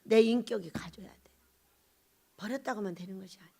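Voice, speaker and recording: A woman pastor preaching a Sunday sermon, swinging from loud, emphatic exhortation to hushed asides and asking the congregation short questions. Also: mid-range voice, a little fast, gravelly, a little hiss or hum.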